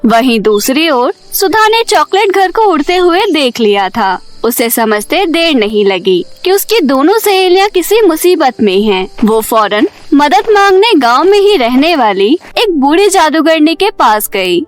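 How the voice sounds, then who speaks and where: A woman narrating a scripted fairy tale in an expressive storybook manner. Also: sits high, measured pace, few pauses, dry recording, soft background music.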